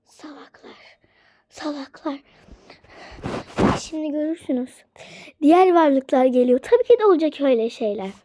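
A woman voicing a spiteful, scheming female witch in a low hissing whisper, as whispered role-play. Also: lively intonation, fairly quick, warm tone.

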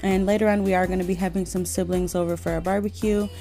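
A woman's voice: on the low side, flat delivery, fast talker, warm tone, faint music behind. A young woman vlogging and narrating her cleaning day, talking casually and candidly. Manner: tired, candid, chatty. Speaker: vlogger, mom. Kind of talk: casual vlog chat and voice-over. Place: car interior.

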